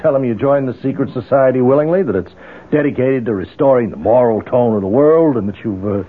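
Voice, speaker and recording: An actor with an American accent playing a tough, blunt, skeptical ex-Marine detective in a 1970s radio drama. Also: male voice, mid-range voice, brisk, close to an everyday voice. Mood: scoffing. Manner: blunt, scoffing. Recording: tinny, phone-like old radio broadcast.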